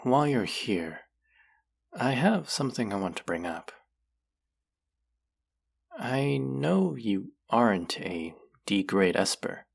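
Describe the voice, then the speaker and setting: A voice actor playing a caring but gently stern clinic guide in a roleplay audio drama, soft-spoken and concerned, talking straight to a patient. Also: mid-range voice, sing-song, slow pace, vocal fry, long pauses, husky, exaggerated voice. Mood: soothing. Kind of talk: roleplay audio drama, speaking softly to the listener.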